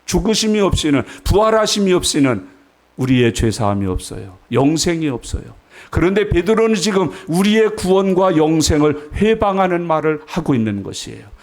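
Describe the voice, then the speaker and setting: A man delivers a Sunday sermon in a church sanctuary, his voice sitting a little high for a man. He moves from hushed, low explanation to sudden, loud and high exhortation, and he acts out scolding voices as he preaches. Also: very animated, moderate pace. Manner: preaching with sudden rises in pitch and force, acting out scolding voices. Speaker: pastor.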